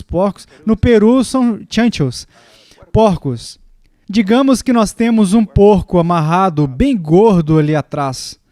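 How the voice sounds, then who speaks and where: A man voicing a dubbed sermon, emphatic and deliberate, pausing often and repeating key words. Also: high-pitched, mellow, dry recording. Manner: emphatic, with deliberate pauses and repetition. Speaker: preacher's voice in a dub.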